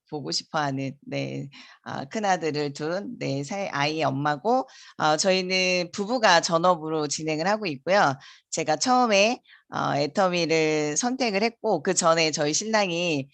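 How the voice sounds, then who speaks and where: A woman's voice: lowish voice, fairly bright tone, no echo. A woman in her forties giving a motivational seminar talk over a video call, chatty and often laughing between sentences. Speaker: guest lecturer. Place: home in the rain, on a video call.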